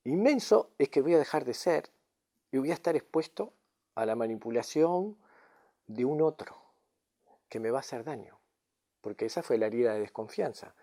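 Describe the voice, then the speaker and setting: Man, spiritual teacher, mid-range pitch, relaxed dark tone, reflective teaching talk. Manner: tags lines with questioning "mm?" and "no?" to check understanding.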